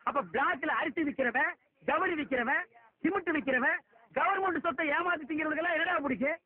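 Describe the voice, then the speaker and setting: A man in a film comedy scene, scolding and mocking others with quick insults. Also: extremely high pitch. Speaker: comic film actor. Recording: tinny lo-fi film audio.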